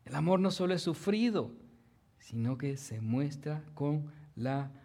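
With a fairly high, expressive voice and a slightly slow pace, a pastor preaches to his congregation through rhetorical questions, often tagging on "¿verdad?" He moves between loud, emphatic lines and soft, almost whispered ones.

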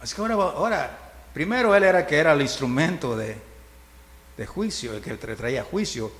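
A man's voice: fairly high pitch, expressive, a little fast, a bit bright. A man preaching a conversational sermon, often asking "right?" and chuckling. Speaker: pastor. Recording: reverberant hall, faint noise.

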